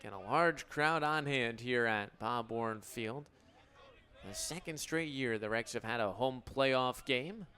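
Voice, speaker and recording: Clear-voiced young American baseball announcer, man. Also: medium pitch, unhurried, pushed and bright. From Illinois, United States. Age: 20s. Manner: crisp, descriptive announcer delivery. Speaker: baseball play-by-play broadcaster. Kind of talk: live radio baseball commentary.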